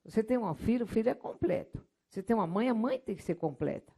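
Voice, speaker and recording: A middle-aged Brazilian woman missionary preaching a sermon, lively and storytelling, acting out voices from her anecdotes. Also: a little high, quick pace, breathy edge. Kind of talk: sermon with object lesson.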